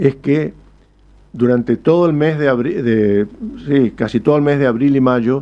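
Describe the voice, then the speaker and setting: Pausing long and often, a man speaks at a fairly slow pace with medium pitch, ordinary pitch variation and very even loudness. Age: 60s. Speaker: mountaineer and trekking guide. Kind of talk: radio interview. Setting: studio, broadcast on radio and TV. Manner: halting, many fillers.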